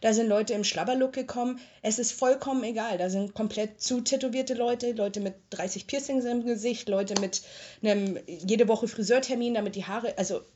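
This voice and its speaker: A young woman from Germany giving an interview and telling her story in a chatty, colloquial way, with frequent filler pauses. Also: fairly high pitch, dark tone. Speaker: interviewee, tech customer support worker. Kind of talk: casual interview talk. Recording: slightly muffled lo-fi recording.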